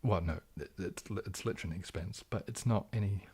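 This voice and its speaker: A young man hosting a casual livestream Q&A, soft-spoken and often slipping into a whisper. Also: sits low, fast, slightly rough. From New Zealand. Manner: soft-spoken, drifting into whispers, frequent restarts. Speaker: ASMR livestream host.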